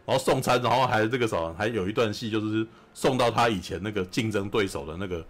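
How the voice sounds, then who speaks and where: A man with a Taiwanese Mandarin accent, hosting a podcast and telling a film's story in an animated, chatty way, often asking "you know?". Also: fairly low pitch, fast. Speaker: podcast host. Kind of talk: casual film recap chat.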